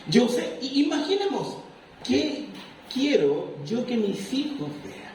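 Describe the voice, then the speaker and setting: Animated preaching pastor in echoey church. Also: male voice, extremely high pitch, slow pace, a little hiss or hum. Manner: lively, animated preaching with acted quotes. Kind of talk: sermon. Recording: echoey room, mic far off.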